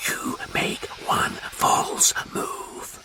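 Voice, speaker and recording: A man voicing an arrogant, menacing Martian warlord in a slow, raspy, hissing whisper. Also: sharp tone, full character voice.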